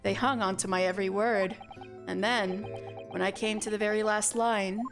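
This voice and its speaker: A woman acts out a young man from a video game, wounded in his pride, in a lowered voice. The delivery is formal, theatrical and self-pitying, with faint music behind. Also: fairly even intonation, normal speed, natural voice. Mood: rueful. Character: Japanese young man, proud, melodramatic, humiliated orator. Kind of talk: reading game dialogue in character.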